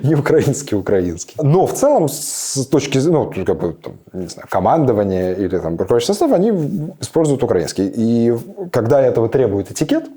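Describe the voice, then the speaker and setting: A man in his thirties answering interview questions reflectively, pausing and restarting often with many fillers. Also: medium pitch, very animated, dark tone. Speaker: interview guest, serving soldier.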